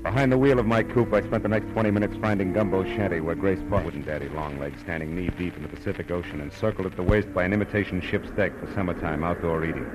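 An actor playing a tough, wry private detective in a dry, clipped 1940s radio noir style. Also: male voice, on the low side, natural voice, rough recording. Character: hard-boiled, wry male private detective narrating his case. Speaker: lead actor and narrator. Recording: old radio recording.

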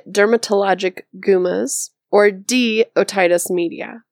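Hoarse female podcast host, methodical teacher working through a case, dry close sound. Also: mid-range voice, no room sound. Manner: methodical, thinks aloud step by step. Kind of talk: explaining a board exam question.

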